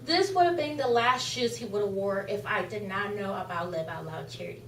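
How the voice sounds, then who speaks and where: A woman's voice: medium pitch, a little fast, a little hiss or hum. A woman whose first language is Spanish, giving an earnest, impassioned charity talk to a club. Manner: earnest, impassioned, repeats phrases. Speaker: charity speaker. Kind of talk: club presentation speech. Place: meeting room. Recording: echoey room from far off.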